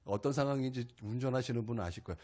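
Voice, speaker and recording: A male pastor preaching a weekday sermon, telling a personal story in an animated way. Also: medium pitch, rapid-fire. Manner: animated storytelling, acts out his own angry outburst. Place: small church service.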